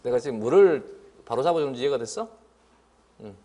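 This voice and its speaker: A middle-aged man giving a biology lecture to students. He scolds them, keeps asking if they understand, and sometimes mimics them in a higher voice. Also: a little fast. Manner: lively and scolding, often asks "알겠지?". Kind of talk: classroom lecture.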